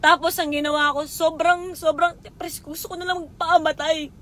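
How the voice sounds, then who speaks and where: Young woman, high voice, emotional confessional vlog, swearing, faint rumble behind. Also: level tone, a little fast, sharp tone. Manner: raw and emotional, swearing, addressing someone directly. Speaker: vlogger.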